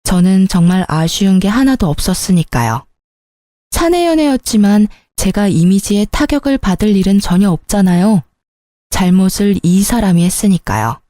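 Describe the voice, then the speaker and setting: A woman's voice: medium pitch, expressive, moderate pace, dark tone, no room sound, studio quality. A woman in her thirties narrating a first-person story in a scripted way, with a bitter, indignant tone.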